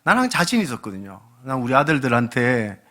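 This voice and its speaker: A man in his late forties, a guest pastor delivering a sermon with humorous, animated storytelling. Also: medium pitch, fast talker. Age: late 40s. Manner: animated, humorous storytelling that acts out quoted dialogue.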